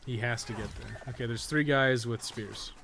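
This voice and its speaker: A man's voice: mid-range voice, normal speed, fairly bright tone. A man giving casual live gameplay commentary as a streamer, swearing casually. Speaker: game livestreamer. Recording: clearly noisy background.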